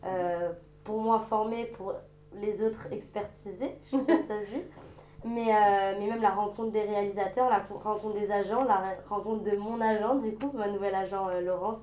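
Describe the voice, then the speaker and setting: A woman's voice: medium pitch, steady tone, normal speed, a little mellow, roomy sound, slight background noise, rough recording. A woman from France, a guest in a casual interview, talking in a chatty, enthusiastic way. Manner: chatty, enthusiastic, keeps saying "c'est ça". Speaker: guest, stylist and actress.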